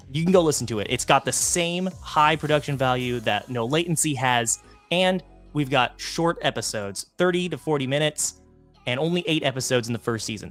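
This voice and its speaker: A man co-hosting a livestream, eagerly pitching his podcast and pleading with viewers for support. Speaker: podcast co-host.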